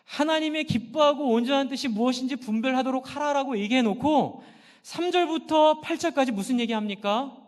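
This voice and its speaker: A man's voice: very high-pitched, a little fast. A middle-aged male pastor preaching a passionate sermon in a church sanctuary, posing questions to the congregation and answering them himself. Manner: impassioned, asks and answers own questions. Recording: long hall reverb.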